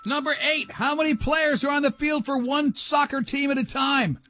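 A middle-aged man hosting a radio show, bantering and running a quick quiz in a teasing, jokey way. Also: extremely high pitch, fairly even intonation, bright, forceful tone, a little hiss or hum. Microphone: studio microphone.

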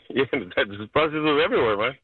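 A man's voice: medium pitch, expressive, moderate pace, crowd noise. A man from Chile calling into a radio show, cheerful and matter-of-fact, coming through a phone line. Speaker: caller.

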